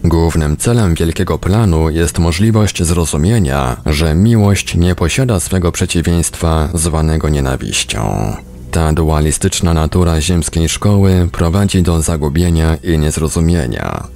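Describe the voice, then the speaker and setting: Very deep, gravelly male narrator. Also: animated, unhurried, a little mellow. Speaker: audiobook reader on a radio programme. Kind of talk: scripted audiobook narration.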